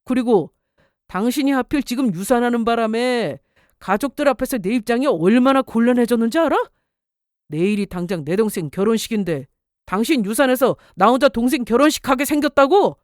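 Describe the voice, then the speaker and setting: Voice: medium pitch, no echo, studio quality, close to an everyday voice. A voice actor playing a cold young husband who blames his wife in a radio drama. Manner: cold, accusing.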